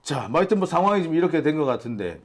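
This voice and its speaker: A man in his sixties hosting a casual news discussion, asking questions and reacting with quick remarks. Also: fairly high pitch, sing-song. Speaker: host.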